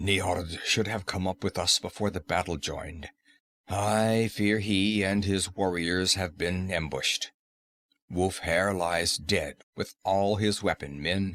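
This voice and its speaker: Putting on a growling character voice, a man talks at a fairly slow pace in a very deep, low pitch with fairly even intonation. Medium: read story. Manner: archaic, growling.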